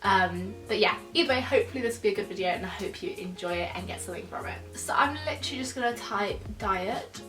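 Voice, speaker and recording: Talking fast with hardly any pauses, this young woman studies nutrition and reacts to videos, chatting casually to camera despite a croaky, stuffy cold. Her mid-range voice comes through a distant mic, slightly off-mic in an echoey room, with soft music and lots of "so" and "yeah".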